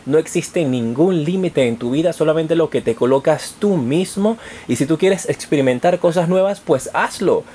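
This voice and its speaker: A man with a slightly high voice reads tarot cards for his viewers. He speaks to them informally and affectionately, with plenty of encouragement. There is some faint noise behind him. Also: normal speed, hardly any pauses, mellow. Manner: affectionate, encouraging direct address. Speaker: tarot reader and channel host. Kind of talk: informal horoscope card reading addressed to viewers.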